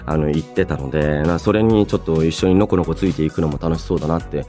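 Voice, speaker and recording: Talking fast with an extremely low, warm voice, a man in his thirties hosts a relaxed radio program from the studio while music plays underneath. He's playful and courteous yet loose as he goes through listener mail, regularly chuckling at himself.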